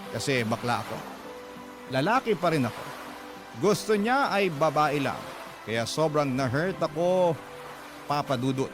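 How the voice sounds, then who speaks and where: A man's voice: mid-range voice, lightly acted. A man voicing a vain, witty older gay man telling his life story in campy slang as a radio letter drama.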